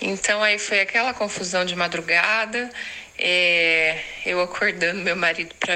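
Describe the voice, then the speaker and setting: Over noticeable background noise, a woman with a fairly low pitch speaks at a fairly slow pace with fairly even intonation. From Londrina, Paraná, Brazil. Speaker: listener, mother. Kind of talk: voice message.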